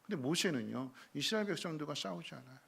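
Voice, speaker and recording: A male pastor preaching in a church, his voice bright and a touch raised in pitch, with a gravelly edge. He drops to soft, low stretches, then climbs into loud, emphatic peaks, and acts out the prayers he quotes. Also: lively intonation, quick pace. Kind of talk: sermon. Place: church sanctuary.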